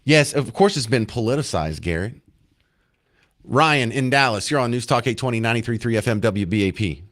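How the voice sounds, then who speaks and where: A man's voice: medium pitch, lively intonation, brisk, fairly bright tone. A man from hosting talk radio, indignant and emphatic, hammering his points through repetition. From East Texas.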